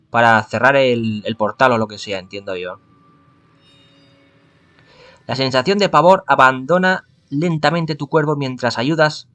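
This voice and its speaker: A man's voice: medium pitch, a bit bright. A man with a Spanish accent from Spain, reading a visual novel aloud and stumbling, often correcting himself and adding asides. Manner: stumbling, frequent self-corrections.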